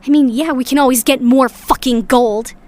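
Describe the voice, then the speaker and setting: A woman's voice: high-pitched, steady tone, normal speed, a little mellow, close to an everyday voice. A woman playing a weary, loyal member of a sci-fi underground community in an audio drama, speaking in a reflective, earnest way. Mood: doubtful, frustrated.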